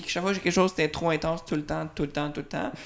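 Fairly even intonation in a Quebec accent, on a very clean recording with a silent background. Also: man. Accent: Québécois French. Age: 20s. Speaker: real estate investor. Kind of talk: interview.

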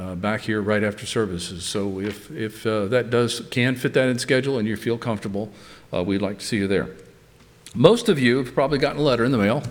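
In a normal speaking voice, a man talks at a fairly quick pace and medium pitch with ordinary pitch variation. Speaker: worship leader and announcer. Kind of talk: church announcements and song leading. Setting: church.

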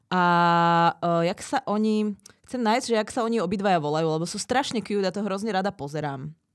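A woman speaks in a plain, everyday voice at a medium pitch with ordinary pitch variation. Her pace is moderate on a very clean recording with a silent background. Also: dry, close sound with no echo. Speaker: podcast co-host. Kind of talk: casual chat.

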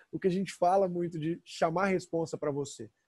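Against a quiet background, a man with a high pitch and a dark, mellow tone is recorded with a dry, close sound and no echo. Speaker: podcast host, sales supervisor. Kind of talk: casual interview chat.

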